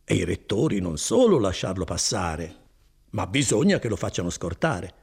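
A man voicing a chatty, good-hearted older male cousin, a foreman, in an animated folksy manner with chuckles. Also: low voice, moderate pace, gravelly, husky, exaggerated voice.

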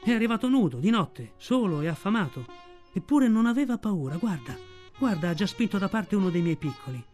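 Fierce protective mother wolf for a radio storybook, a man doing her, high-pitched and defiant. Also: very animated, brisk, a little mellow, faint music behind. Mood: passionate.

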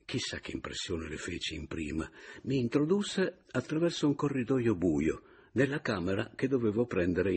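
A man narrating a literary novel as an audiobook reader, with expressive, varied intonation. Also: sits low, slightly rough.

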